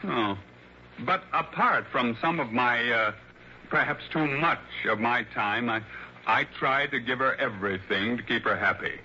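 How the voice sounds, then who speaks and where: A man's voice: mid-range voice, a little slow, pushed and bright, slightly rough, exaggerated voice. An actor playing a wealthy male mystery author in his late fifties, gushing and hesitant with fillers, in a 1960s radio drama. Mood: brooding. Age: 50s. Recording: dull lo-fi old radio broadcast.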